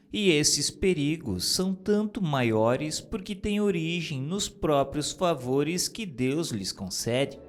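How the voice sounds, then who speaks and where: A man reading a script of spiritual messages in a solemn, measured, preacherly manner. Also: mid-range voice. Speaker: narrator. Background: music.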